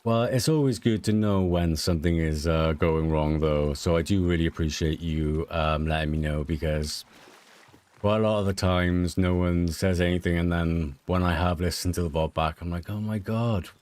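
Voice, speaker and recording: A man, streaming a game and chatting casually with his viewers in a relaxed, hesitant way with many fillers. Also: normal speed. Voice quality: deep voice. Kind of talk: casual gameplay streaming chat. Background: game music.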